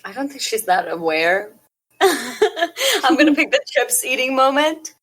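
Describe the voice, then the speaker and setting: A woman with a high, bright voice plays a tabletop game. She describes her character's actions in casual, improvised chat. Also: very animated, unhurried.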